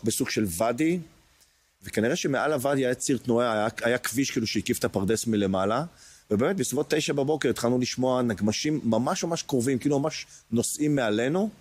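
A man in his sixties tells his story as an interview guest, pausing often and searching for the right words. His voice sits at a middle pitch. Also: a little mellow. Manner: hesitant, searching for words, many pauses. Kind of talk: emotional personal testimony.

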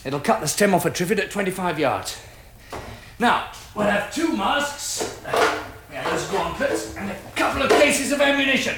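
A brisk, resolute British man surviving a catastrophe in a 1960s radio drama. His voice sits fairly high and moves freely up and down, commanding and practical, on a noisy old recording. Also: animated, echoey room. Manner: brisk, commanding, matter-of-fact.

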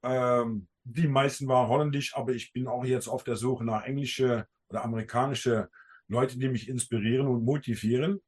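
Husky man with a Dutch accent. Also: mid-range voice, fairly even intonation, moderate pace, a little mellow. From Netherlands. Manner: searching for words, with small grammar slips. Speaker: podcast host. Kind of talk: casual interview talk.

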